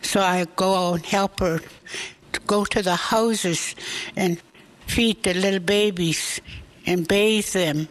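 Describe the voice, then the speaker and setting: A woman in her eighties telling her life story in an archived interview, reminiscing slowly with halting pauses. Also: medium pitch, steady tone, poor audio. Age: 80s. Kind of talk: recorded oral history interview.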